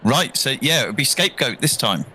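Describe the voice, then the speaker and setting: A man's voice: medium pitch, big pitch swings, fairly quick, pushed and bright, a little hiss or hum. A man acting as co-commentator, friendly and agreeable with the drivers.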